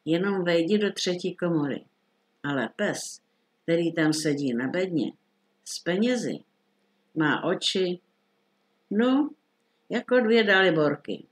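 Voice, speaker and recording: A woman's voice: on the low side, lively intonation, pauses often, natural voice. Woman putting on an old coaxing witch. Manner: coaxing, then curt. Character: old scheming witch, curt and secretive.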